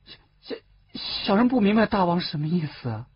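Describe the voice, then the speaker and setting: A man's voice: sits high, very animated, moderate pace, slight background noise. An actor playing a fawning, nervous male court jester who stammers and repeats words in panic, in a period drama. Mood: pleading. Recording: dull lo-fi TV audio. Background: score music.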